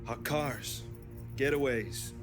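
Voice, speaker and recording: An actor playing an eager, chummy, shady mechanic who loves hot cars, in a crime game. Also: male voice, mid-range voice, slow pace, over loud music, close to an everyday voice. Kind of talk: colourful cinematic game acting.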